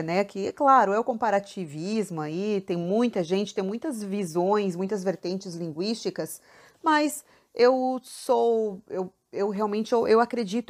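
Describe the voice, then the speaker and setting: A woman's voice: medium pitch, a little mellow. A woman hosting a language podcast, talking casually and speaking straight to the listener. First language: Portuguese. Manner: chatty, addresses the listener directly. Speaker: podcast host.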